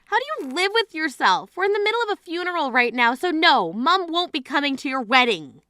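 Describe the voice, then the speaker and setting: A woman's voice: sits high, lively intonation, normal speed, pushed and bright, no echo, studio quality. A young woman playing an exasperated, grieving sister who scolds her sibling in a scripted drama. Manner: scolding, indignant.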